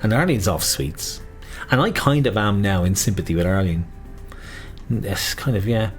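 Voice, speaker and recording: Irish male bingo caller, animated pitch. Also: normal speed, soft background music. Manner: sing-song number calls, repeating each number. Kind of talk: bingo calling with traditional rhymes and casual chat.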